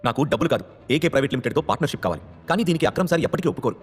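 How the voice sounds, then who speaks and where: A man's voice: on the high side, lively intonation, racing, long reverb tail, a little hiss or hum, lightly acted. A man voicing a proud, angry young woman from a wealthy family who answers sharply and dismissively.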